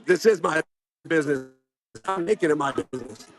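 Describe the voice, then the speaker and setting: An angry man shouting profane insults in a heated street argument outdoors. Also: fairly high pitch, fairly quick. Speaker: counter-protester.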